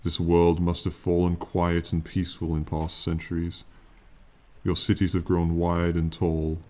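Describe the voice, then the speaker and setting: In a fantasy ASMR roleplay, a man voices an ancient male dragon in a very deep, dark voice that barely rises or falls, with the delivery completely flat. His stately, archaic phrasing comes out slow, formal and lofty, proud and condescending yet fond of his mortal companion. The mood is lofty and calm.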